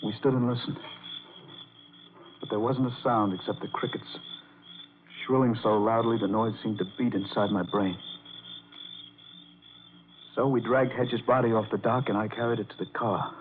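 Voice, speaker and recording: A man's voice: fairly low pitch, fairly even intonation, moderate pace, pauses often, slight background noise, lightly acted. An actor playing a nervous piano player who narrates his own crime in tense first person, in a 1950s radio drama on a tinny old broadcast. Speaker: narrator and lead.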